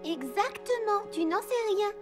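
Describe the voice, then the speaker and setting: A woman voicing a kind, encouraging young girl in a children's cartoon, speaking in a reassuring, expressive way. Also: very high-pitched, a little slow, music in the background. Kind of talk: animated children's cartoon dub.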